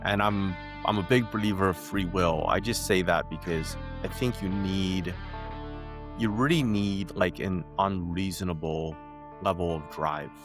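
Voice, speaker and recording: Low-voiced man from China talking candidly. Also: measured pace, over music. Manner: relaxed, candid, full of "like". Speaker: guest, company founder. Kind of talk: casual interview talk.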